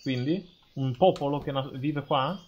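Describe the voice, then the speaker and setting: A man's voice: mid-range voice, measured pace, highs cut off, crowd noise. A man talking casually and insistently as a co-player on a game livestream, often repeating himself. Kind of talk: casual gameplay banter.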